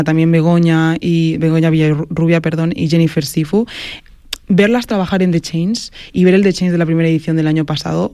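A woman's voice: low voice, dark tone, no echo. Earnest woman guest, dry studio sound. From Madrid, Spain. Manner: earnest, with frequent fillers and self-corrections. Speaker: guest, sports marketing agency founder. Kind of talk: casual interview talk.

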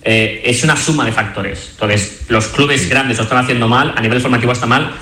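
Un hombre que comenta fútbol en una tertulia de radio, con arranques vacilantes. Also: male voice, medium pitch, a little fast, bright, forceful tone, echoey room. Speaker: football pundit. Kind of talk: radio panel discussion.

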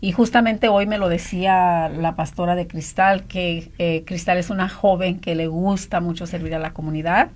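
A woman's voice: on the low side, fairly even intonation, normal speed, hardly any pauses. A woman hosting a Christian radio talk, chatting with a guest and then leading a fervent prayer. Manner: fervent praying, many fillers. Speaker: radio show host.

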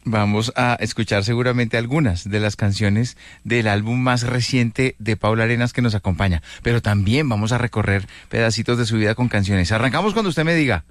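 A man's voice: on the low side, a little fast, hardly any pauses, dry recording. A man hosting a radio interview, playful and teasing with his guest. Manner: warm-hearted, playful, teasing. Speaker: radio host.

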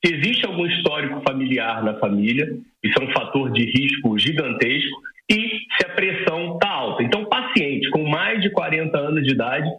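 A man's voice: fairly high pitch, expressive, moderate pace, pushed and bright, reverberant, slight background noise, low-quality recording. A Brazilian man in his forties, an ophthalmologist explaining things simply with everyday comparisons. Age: 40s. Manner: explains with everyday analogies, adds "tá?" tags. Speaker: ophthalmologist guest. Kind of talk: explaining to a lay audience in a radio interview.

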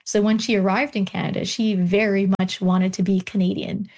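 A woman historian, a guest in an interview, telling personal stories in an animated way with frequent laughter. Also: mid-range voice, normal speed. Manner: warm, animated storytelling, laughs often.

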